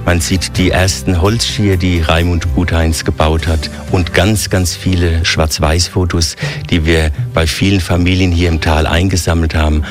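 A man from Hesse with a Hessian accent, a hotel director explaining his hotel in a radio interview in a relaxed, listing way. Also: sits low, moderate pace, over music. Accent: Hessian German. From Hesse, Germany.

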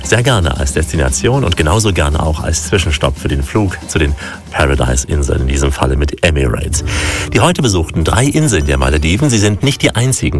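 Deep-voiced German radio travel host. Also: male voice. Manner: chatty, enthusiastic presenter. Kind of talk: radio travel interview and sign-off.

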